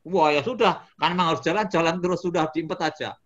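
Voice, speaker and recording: A middle-aged man from Indonesia who works as a motivational speaker, chatting in an interview. His voice sits a little high and stays animated. He tells his story with chuckles and sudden shouted exclamations. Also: fast, lo-fi sound.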